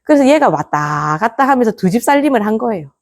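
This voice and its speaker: A Buddhist nun giving a lecture to lay students, telling stories with rhetorical questions and dropping to soft near-whispers at the ends of phrases. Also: female voice, on the high side, very animated, quick pace. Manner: storytelling with acted quotes and rhetorical questions.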